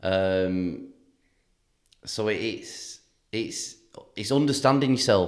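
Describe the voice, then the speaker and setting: A man speaks with a northern English accent at a fairly low pitch. Room echo is audible. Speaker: spiritual healer. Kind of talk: casual chat. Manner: halting.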